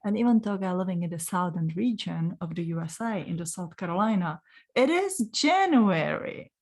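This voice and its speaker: A woman in her forties with a Czech accent, telling a personal story in a gentle, unhurried way and speaking directly to the listener. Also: on the low side, lively intonation. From Czech Republic. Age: 40s. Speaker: spiritual channeler.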